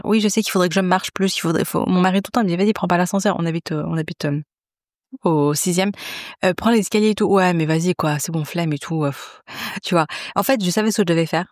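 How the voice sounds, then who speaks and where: A woman's voice: fairly low pitch, darkish tone, no echo, studio quality. A woman, hosting a podcast in a chatty, confiding way, full of fillers and restarts. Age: 30s. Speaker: podcast host. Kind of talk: casual chat.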